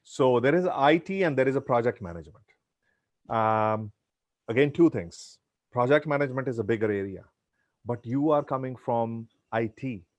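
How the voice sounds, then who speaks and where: A man's voice: mid-range voice, lively intonation, moderate pace, dry recording. Indian guy, middle-aged, earnest advice over a video call, dry sound. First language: Punjabi. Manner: earnest, advisory, repeats himself. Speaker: guest speaker. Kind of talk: answering audience questions.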